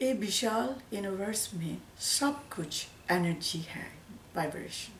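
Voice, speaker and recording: A woman's lively intonation carries over audible room echo. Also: medium pitch for a woman. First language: not Hindi (speaking Hindi). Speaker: spiritual teacher. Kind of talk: spiritual talk to camera.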